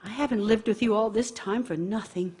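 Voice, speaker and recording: A woman's voice: medium pitch, fairly quick, a little mellow, breathy edge, close to an everyday voice. An actress playing a bitter, nagging working wife who scolds her idle husband with scorn and sarcasm in a radio drama monologue. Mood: bitter, sarcastic.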